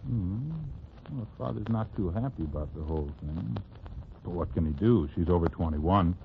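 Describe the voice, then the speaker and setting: An actor playing an eager, insistent newspaper reporter in a 1940s radio drama. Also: male voice, sits low, animated, normal speed, vocal fry, background noise. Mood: scheming. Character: eager newspaper reporter, a snooping, scheming man. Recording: tinny old radio broadcast.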